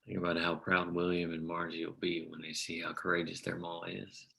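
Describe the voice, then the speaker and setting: A man acts out a troubled leader of striking coal miners in a drama table read. His voice sits very low, crackles with fry and has a forceful edge. He is devoted to his family and carries the burden of command. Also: completely flat delivery, brisk, heavily acted. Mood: tender.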